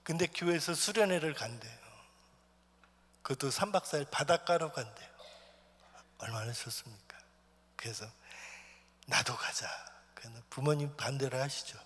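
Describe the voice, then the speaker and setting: A man preaching a personal testimony in church, swinging from loud, stirring lines to hushed whispers. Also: mid-range voice, normal speed, long pauses, breathy edge. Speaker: missionary preacher. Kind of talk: sermon testimony. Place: church sanctuary. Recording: long church hall reverb.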